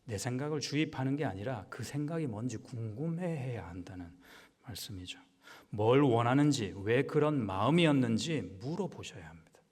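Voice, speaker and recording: A man serving as pastor delivers a sermon in a church sanctuary, his voice carrying a long hall reverb. His pitch sits in the middle, and he speaks to the congregation conversationally, often posing rhetorical questions. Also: a little mellow.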